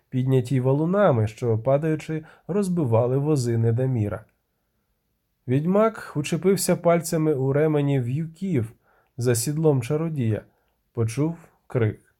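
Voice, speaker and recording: A man's voice: on the high side, dark tone. A man narrating a fantasy audiobook with tense, vivid delivery.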